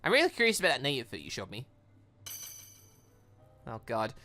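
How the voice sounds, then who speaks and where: Male gaming host, bright forceful voice, lively swings in pitch, close dry sound with faint music underneath. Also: brisk. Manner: excitable, animated, thinking aloud. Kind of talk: let's play commentary, reading game dialogue aloud.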